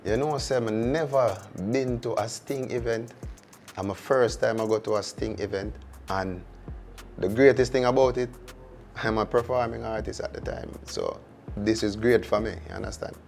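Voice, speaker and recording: Man, deep gravelly voice, performing artist, laid-back confident talk. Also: animated, moderate pace, darkish tone, faint music behind. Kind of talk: interview.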